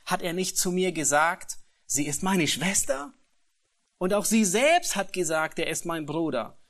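A man preaching a sermon and reading scripture, stressing key phrases slowly and repeating words as he searches for them. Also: high voice, animated, a bit bright. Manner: emphatic, slows and rises on key phrases. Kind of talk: expository sermon.

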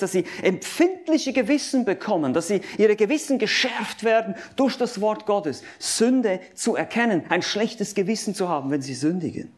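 Male preacher, animated pitch, emphatic sermon delivery with rhetorical questions and lists. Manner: addresses listeners directly.

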